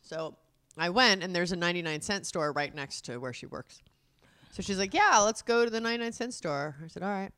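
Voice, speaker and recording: A woman in her thirties co-hosting a podcast, telling stories casually with wry, deadpan quips. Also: lowish voice, a little fast, smooth. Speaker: podcast co-host. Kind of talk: casual chat.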